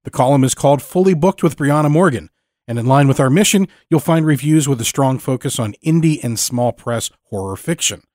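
A man's voice: mid-range voice, brisk, a little mellow, dry recording, clean studio sound. A man hosting a podcast, reading a scripted introduction. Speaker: podcast host.

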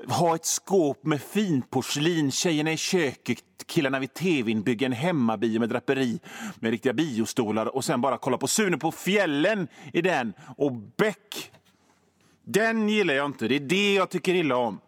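A man's voice: medium pitch, animated, no echo. A male radio host delivering a comedic monologue in a sardonic, mock-grumpy ranting manner into a studio microphone.

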